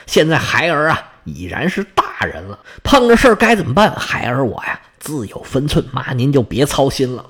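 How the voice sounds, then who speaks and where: A man's voice: mid-range voice, big pitch swings, normal speed, hardly any pauses, a bit bright, breathy edge, voice pushed down. A man voicing a newly grown, self-assured young son reassuring his mother. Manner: confident, reassuring.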